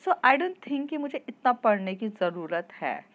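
A woman's voice: on the high side, sing-song, a little slow, fairly bright tone, a little hiss or hum. A woman voicing a spoiled, haughty rich young woman who rants brashly and dismissively. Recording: dull lo-fi recording.

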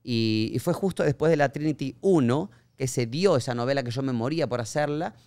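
A man with an Argentine accent talks casually as a podcast guest. His voice is smooth and resonant, at a middling pitch. He tells stories expressively and slips into other voices to act out what people said. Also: brisk. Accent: Argentine Spanish. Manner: expressive, acts out quoted voices. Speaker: actor guest. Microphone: studio podcast mic.

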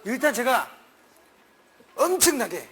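A man doing a comic skit, joking in a playfully formal way with bursts of shouting. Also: very high-pitched, very animated, slow pace, slightly rough.

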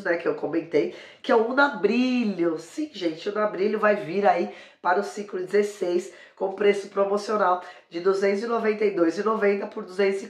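A hoarse woman in her forties from Brazil with a São Paulo accent, chatting through a product review and joking about her cold-worn voice. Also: medium pitch, reverberant. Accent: São Paulo Brazilian Portuguese. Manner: chatty, keeps saying "gente", jokes about her own voice. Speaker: beauty vlogger and sales consultant. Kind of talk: casual product review to camera. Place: indoor room with a brick wall.

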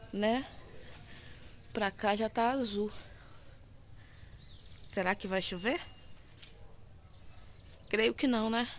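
A woman's voice: a little high, a bit bright. A woman with a Brazilian Portuguese accent narrating a casual home vlog, chatting familiarly to viewers and often seeking their agreement. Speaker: home vlogger. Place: at home, in kitchen and yard. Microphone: handheld phone. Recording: noisy handheld home recording.

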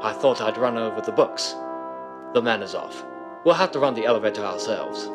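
A man's voice: lowish voice, lively intonation, brisk, over music, close to an everyday voice. An actor playing a genteel, fussy older businessman who speaks formally, in 1930s radio style. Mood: surprised, anxious. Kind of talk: 1930s radio drama acting.

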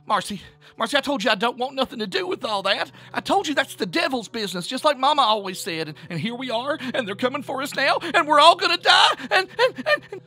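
A man's voice: extremely high pitch, lively intonation, moderate pace, few pauses, sharp tone, husky, voice pushed up, full character voice. A man voicing a frightened, hot-tempered young woman in a story, stammering and pleading tearfully. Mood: hysterical, tearful.

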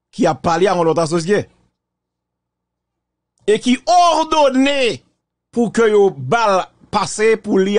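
A man gives measured, reflective commentary, mixing French and Creole. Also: sits high, no echo, clean studio sound.

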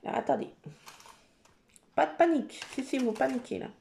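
Chatty gravelly woman crafting. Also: sits high, a little fast, noisy background. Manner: talks to viewers while working, playful, self-mocking. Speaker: scrapbooking vlogger. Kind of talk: chatty talk while crafting.

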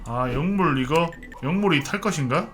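A game streamer in his thirties casually commentates as he plays a martial-arts online game, chatty and muttering to himself, now and then breaking into mock-archaic martial-arts role-play. His voice is fairly high, animated, a bit bright, and at normal speed, with slight background noise.

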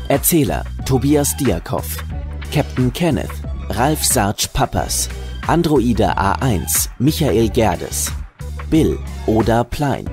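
A man narrating a comedy audio drama from a script. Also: mid-range voice.

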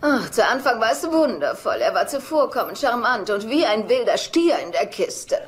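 An actress in a German sitcom dub playing a sharp-tongued older mother who complains dramatically and indignantly. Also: a little high, big pitch swings, normal speed. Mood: weary, serious. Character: exasperated, sharp-tongued mother of grown sons. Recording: noisy TV soundtrack with ambience.

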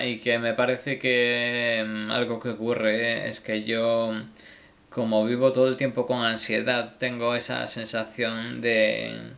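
Man in his own vlog, mid pitch, gravelly, stumbling over words, apologetic. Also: fairly bright tone. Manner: halting, repeats words, swears casually. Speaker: video creator. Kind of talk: casual apology to viewers.

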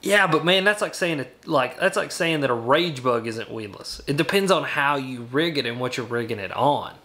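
Emphatic young man, bright forceful tone. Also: medium pitch, moderate pace. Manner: animated, emphatic, argues his case. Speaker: guest angler. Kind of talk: casual debate over a video call. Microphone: webcam on a video call.

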